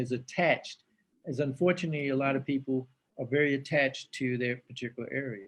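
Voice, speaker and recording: A man with an American accent talks at a fairly quick pace in a fairly high voice with fairly even intonation. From United States. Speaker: professor. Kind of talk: interview. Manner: halting.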